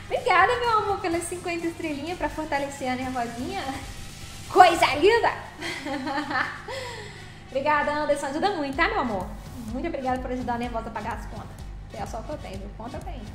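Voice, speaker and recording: A woman with a high voice chats casually on a live stream. She teases her viewers and thanks them by name, sometimes slipping into a sung phrase. The room is echoey, with faint music underneath. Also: lively intonation, fast talker, fairly bright tone.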